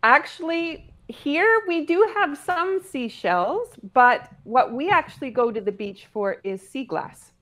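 A woman from Nova Scotia, chatting casually as an interview guest in an encouraging, gently teasing way. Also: sits high, lively intonation, slow pace, few pauses. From Cape Breton, Nova Scotia, Canada. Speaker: podcast guest. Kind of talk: casual, playful interview chat.

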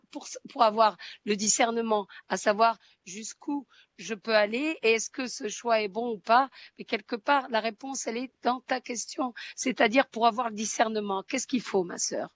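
French woman from the south on a radio chat, highish voice, passionate and informal, repeats herself, bit dull dry audio. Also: dry recording. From Marseille, southern France. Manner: impassioned, informal, repeats and emphasises phrases. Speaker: radio guest, writer and film-maker. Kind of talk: casual phone-in chat. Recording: slightly dull, dry sound.

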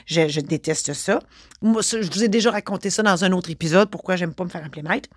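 A woman with a Québécois accent, a notary hosting her own podcast, telling a story casually with lively expression and frequent fillers. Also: fairly low pitch, fast talker, slightly rough, no room sound, studio quality. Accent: Québécois French.

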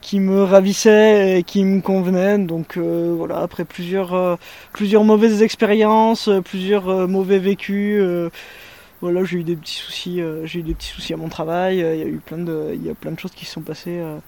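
A woman in her thirties speaks with a Parisian accent in a relaxed interview. She hesitates often, restarts her sentences and fills pauses with fillers. She is recorded outdoors in a garden. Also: fairly low pitch, vocal fry. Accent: Parisian French. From France. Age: 30s. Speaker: guest, musher. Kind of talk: casual interview chat. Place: sunny garden in the mountains, outdoors.

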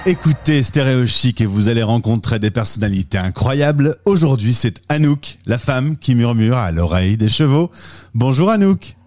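Male podcast host, mid pitch, lively and upbeat. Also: normal speed. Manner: lively, upbeat, leading questions. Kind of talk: casual interview hosting.

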